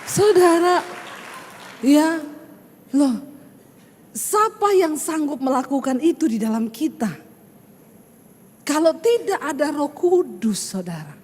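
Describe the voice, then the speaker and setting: A woman's voice: high-pitched, expressive, takes it slowly, pauses often, a little mellow, some chatter behind. A woman pastor preaching a sermon, telling a personal story with emotion and speaking straight to the congregation. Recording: long hall reverb.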